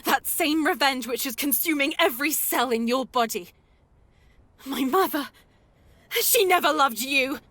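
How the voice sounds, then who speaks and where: A defiant young heroine in a horror game. Her voice is very high and bright. She argues with urgent force. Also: a little slow, dry recording. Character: determined young woman, defiant and frightened.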